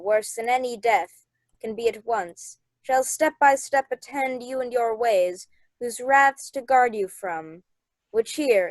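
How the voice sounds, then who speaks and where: High-voiced woman as solemn spirit. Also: no room sound, lightly acted. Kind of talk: Shakespeare performed as a radio play.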